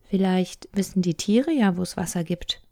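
A woman voicing a brave, quick-thinking little girl in a storybook reading, speaking eagerly and insistently. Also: no room sound, studio quality. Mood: cautious. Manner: eager, excited, high and insistent.

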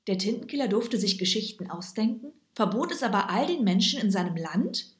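Woman narrator, expressive storybook reading, echoey room, mid pitch. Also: fairly quick.

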